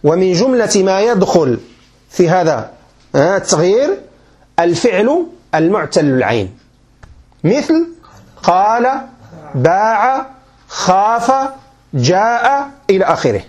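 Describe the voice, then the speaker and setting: Male teacher, Moroccan accent, high pitch; patient classroom lecturer who quizzes students often. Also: very animated, measured pace, pauses often, a little mellow. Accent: Moroccan Arabic. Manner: quizzing listeners with frequent check questions; patient, repeats and restarts points. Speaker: sheikh teaching grammar.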